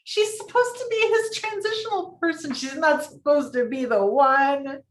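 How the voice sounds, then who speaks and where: Romantic comedy lead, read by an actress: neurotic, heartbroken thirties woman, high-pitched, self-critical, echoey room. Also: moderate pace, close to an everyday voice. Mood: wounded, bitter. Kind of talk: virtual table read of a film script.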